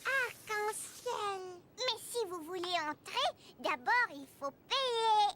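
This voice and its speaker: A woman's voice: lively intonation, slow pace, a little hiss or hum, full character voice. A woman voicing a cheerful, curious four-year-old cartoon boy who pleads eagerly. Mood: playful. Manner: eager, pleading, high childlike voice. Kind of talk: French-dubbed cartoon acting. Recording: loud music bed.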